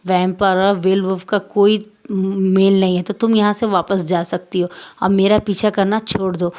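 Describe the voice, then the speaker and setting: Woman doing a possessive old vampire guy from a fan story, cold and warning, pretty flat voice. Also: mid-range voice, moderate pace, lightly acted. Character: possessive thousand-year-old male vampire.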